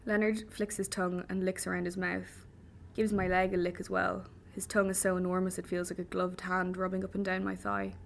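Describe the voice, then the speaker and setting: Gravelly-voiced woman reading a story. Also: on the low side, level tone, a little fast, few pauses, a little hiss or hum. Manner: wry, vivid storytelling. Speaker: audiobook reader. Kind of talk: first-person audiobook narration.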